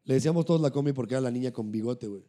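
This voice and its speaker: A man's voice: medium pitch, rapid-fire. A young man with a Mexican Spanish accent, telling personal stories in a casual podcast chat and acting out other people's lines. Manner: animated storyteller who acts out voices.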